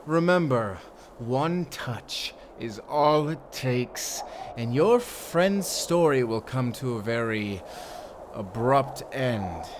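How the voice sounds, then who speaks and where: A man's voice: mid-range voice, lively intonation, slow, noisy background. A man playing a gloating, menacing fantasy villain in an audio drama, with a mocking, theatrical delivery. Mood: threatening.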